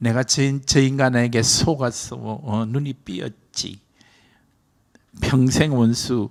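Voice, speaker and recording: Against a silent background in a very clean recording, a man with a medium-pitched voice speaks at a very slow pace. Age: 70s. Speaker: pastor. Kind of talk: sermon.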